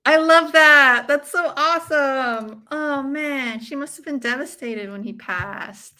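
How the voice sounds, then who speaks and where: An American woman hosts a casual live watch-along. Her voice sits a little high and is very bright and forward. She talks informally and effusively, with plenty of slang, as if chatting with her viewers. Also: slow. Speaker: livestream watch-along host. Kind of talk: casual live chat with viewers and fight commentary.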